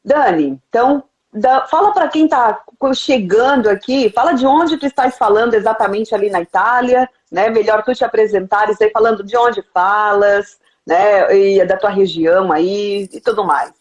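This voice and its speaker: A woman's voice: medium pitch, normal speed, few pauses, rough recording. Chatty southern Brazilian woman hosting. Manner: informal, chatty, often laughing. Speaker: host of an online interview show. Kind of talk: casual chatty live-stream interview. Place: remote live video call.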